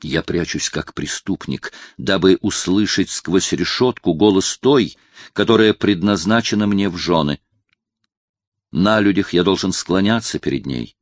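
A man's voice: low voice, a little slow, no room sound, clean studio sound. A man reading as a brooding young noble plotter. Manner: intense, brooding, declamatory. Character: young male nobleman, proud tormented conspirator. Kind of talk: audiobook character reading.

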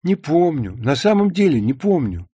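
A man reading the part of a flustered young woman witness who gives hesitant, guilty short answers, a bit higher than his narration. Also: very animated, normal speed, mellow, husky, no room sound, studio quality. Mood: evasive.

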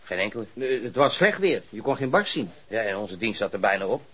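Cowed patrolman, fairly low male voice, hesitant excuse-maker, radio drama. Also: sing-song, brisk, a bit bright, husky, heavily acted. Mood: nervous, evasive. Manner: hesitant, evasive, stammering. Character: dim, lazy, cowed patrolman making excuses. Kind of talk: Dutch radio crime drama acting.

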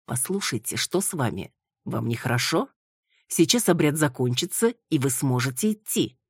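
Brief: icy condescending guide, read by a woman, slow measured words, dry close sound. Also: a bass voice, very animated, breathy edge, no echo, heavily acted. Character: cold, mocking woman ritual guide.

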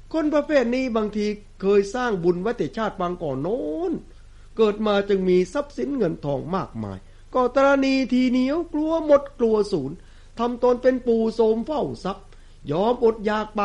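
A man's voice: sits high, darkish tone. A male Buddhist monk giving a sermon, telling a scripture story expressively to the lay congregation.

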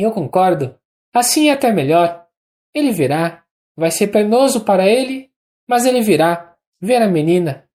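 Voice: medium pitch, darkish tone, voice pushed up. A narrator putting on a feverish delirious young mother. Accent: Brazilian Portuguese. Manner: rapid, urgent, raised pleading voice. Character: young woman, feverish and delirious after childbirth.

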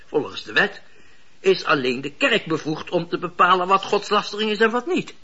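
An old judge in a radio drama, high and husky in voice. He is shrewd, cynical and scornful, lecturing deliberately with swooping intonation. The recording is rather dull. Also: very animated, sharp tone, heavily acted. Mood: calculating. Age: older. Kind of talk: radio play acting.

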